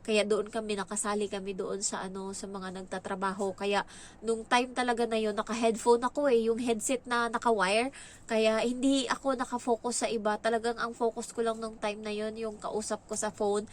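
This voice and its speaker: A young woman with a Filipino accent tells a story in a casual vlog chat, speaking at normal speed with a slightly high, flat delivery. She's chatty and acts out quoted lines in a raised voice.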